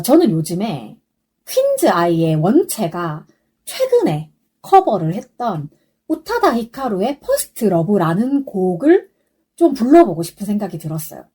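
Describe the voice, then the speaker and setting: A woman's voice: medium pitch, mellow, husky. A young adult woman hosting a podcast, chatting casually and rambling with many fillers. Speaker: podcast host. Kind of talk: casual solo podcast chat.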